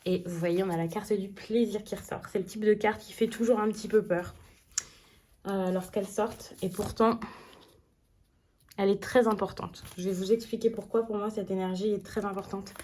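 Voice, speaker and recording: A woman's voice: mid-range voice, steady tone, moderate pace, dark tone, a little hiss or hum. A woman reading tarot cards for her online channel, talking casually to her viewers, chatty and rambling with many fillers. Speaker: tarot card reader. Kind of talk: casual talk to camera.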